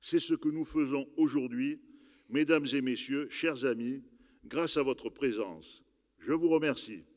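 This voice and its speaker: A man's voice: mid-range voice, measured pace. A man speaking as the host of a formal ceremony, giving a speech and presenting awards. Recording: echoing hall, long reverb.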